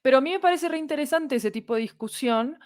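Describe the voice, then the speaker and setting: A woman's voice: sits high, fast talker, no echo, studio quality. A woman, talking analytically and emphatically as a guest in a casual conversation. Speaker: podcast guest, fiction producer.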